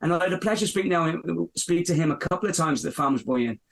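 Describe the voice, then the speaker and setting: His voice runs on the high side with lively intonation, and he's racing along. He's a Dublin man in his fifties, a business owner with an Irish accent, giving rambling podcast interview answers thick with fillers and restarts.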